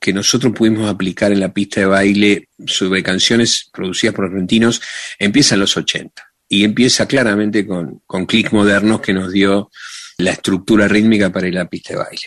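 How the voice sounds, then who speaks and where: Here a man with a fairly low pitch uses an unremarkable speaking voice at a moderate pace. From Argentina. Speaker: DJ and music producer. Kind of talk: casual interview.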